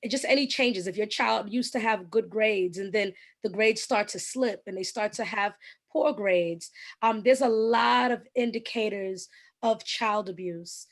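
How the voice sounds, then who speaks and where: A woman with a slightly raspy voice, a guest giving earnest, explanatory advice in an interview with frequent ums. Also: medium pitch.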